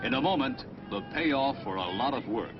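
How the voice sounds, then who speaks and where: A man's voice: mid-range voice, lively intonation, normal speed. A man with an American accent reading scripted narration for a military documentary. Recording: dull vintage film soundtrack. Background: prominent music.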